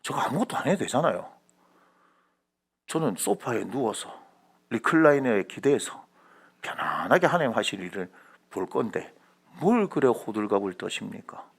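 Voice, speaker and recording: A man preaching a sermon as senior pastor, colloquial and dramatic, moving from hushed asides to shouted lines. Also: lowish voice, big pitch swings, normal speed, gravelly, pauses often, slightly rough. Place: church sanctuary.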